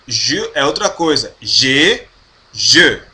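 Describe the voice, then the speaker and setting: A man teaching a French grammar lesson in Portuguese, explaining slowly and patiently, often checking that the viewer follows. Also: mid-range voice, sing-song, sharp tone. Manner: slow, patient explaining with frequent check-ins. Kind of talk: online language lesson.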